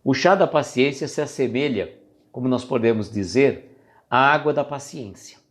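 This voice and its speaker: Speaking at a normal speed, a man with a Brazilian Portuguese accent offers a casual spiritual reflection to viewers of his live stream. His voice is pitched in an ordinary middle range, and he chats conversationally, occasionally losing his thread.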